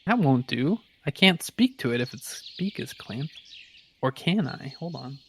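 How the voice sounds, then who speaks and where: A man's voice: mid-range voice, sing-song, unhurried, fairly bright tone, a little hiss or hum. A man talking casually as a player in a tabletop role-playing game, explaining his character's actions. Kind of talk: casual actual-play game talk.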